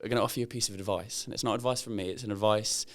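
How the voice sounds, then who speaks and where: A man's voice: fairly low pitch, steady tone, rapid-fire. A man hosting a podcast, asking chatty, friendly questions in a casual interview. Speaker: podcast host.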